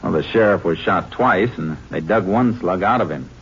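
An actor playing a steady, shrewd Texas Ranger investigator in a matter-of-fact, authoritative 1950s radio western style. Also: male voice, sits low, moderate pace. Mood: analytical. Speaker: lead actor and narrator. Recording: noisy, clicking, muffled 1950s radio recording.

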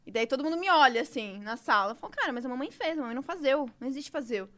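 A woman's voice: sits high, rapid-fire. A young woman chatting casually about motherhood, acting out scenes with her daughter as she tells them. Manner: animated storyteller, acts out her daughter's lines. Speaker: mother of a toddler, podcast guest. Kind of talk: casual chat.

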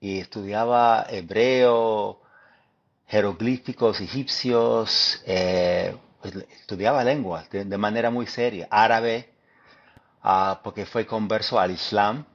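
Low-voiced American man, halting Spanish. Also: steady tone, lo-fi sound. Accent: American English. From Detroit, United States. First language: English. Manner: thoughtful, halting, many fillers and restarts. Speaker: guest historian. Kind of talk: interview conversation.

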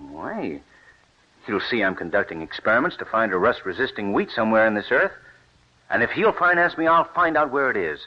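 A determined wheat scientist argues his plans with drive and conviction. His pitch moves around a lot. The sound is dull and lo-fi, like an old radio broadcast. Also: a little fast. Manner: driven, persuasive, animated. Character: determined wheat scientist husband, middle-aged man. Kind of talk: 1940s radio acting.

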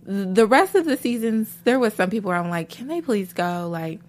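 A woman's voice: mid-range voice, animated, moderate pace, a little mellow. A woman co-hosting a TV after-show, chatting casually and animatedly with many fillers. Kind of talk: casual chat.

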